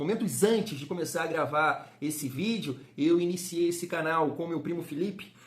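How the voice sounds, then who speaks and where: A high-pitched male voice with ordinary variation in pitch. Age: 30s. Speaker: football fan channel host. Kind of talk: casual vlog talk to viewers.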